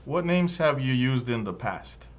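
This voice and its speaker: A man's voice: medium pitch, lively intonation, unhurried, close to an everyday voice. A man voicing an immigration officer who asks formal, neutral questions in a scripted practice dialogue. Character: male immigration officer conducting an interview.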